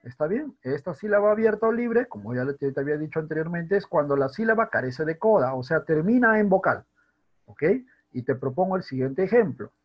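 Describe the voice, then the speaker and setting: Male teacher, husky, fairly high voice; recorded lesson, keeps asking if you're following; dull lo-fi sound. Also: animated. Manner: checks in often with rhetorical questions; spells out words slowly by syllable. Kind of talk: recorded online grammar lesson.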